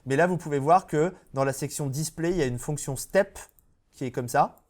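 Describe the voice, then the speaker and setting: Bilingual man teaching a software class. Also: on the high side, normal speed. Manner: switches between French and English, checks on the class often. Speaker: 3D software instructor. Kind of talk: live classroom software tutorial. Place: classroom with audience.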